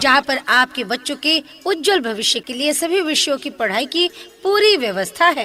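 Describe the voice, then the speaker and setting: Over noticeable background noise, a woman with a high pitch uses a raised, projected voice and very wide pitch swings. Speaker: advertisement voice-over artist. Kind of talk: school radio advertisement read. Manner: persuasive, conversational promotional tone.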